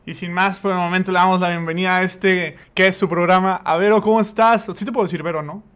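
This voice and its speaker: High-voiced chatty Mexican man. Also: fairly even intonation, quick pace, a bit bright, smooth. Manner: chatty, enthusiastic, curious. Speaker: podcast co-host. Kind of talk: casual podcast interview.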